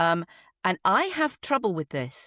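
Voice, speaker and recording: A woman's fairly low voice at a moderate pace, dry and close with no echo, in a very clean recording with a silent background. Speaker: voice actor. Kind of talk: interview. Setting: podcast. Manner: precise diction.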